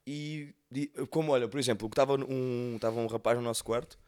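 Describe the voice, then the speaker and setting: A man's voice: mid-range voice, fairly even intonation, a little fast, darkish tone. A man with a European Portuguese accent hosting a podcast, chatting in an easygoing, joking way and reading out listener questions. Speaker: podcast host. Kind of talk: casual conversation.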